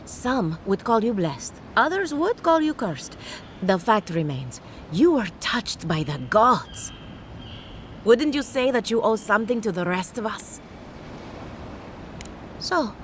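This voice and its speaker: A woman's voice: medium pitch, big pitch swings, takes it slowly, pauses often, a little hiss or hum. An actress playing an eccentric, condescending woman researcher who studies people like specimens, in a theatrical, clinical manner. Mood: prying, smug. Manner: theatrical, clinical, patronizing, sing-song. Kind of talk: video game character dialogue.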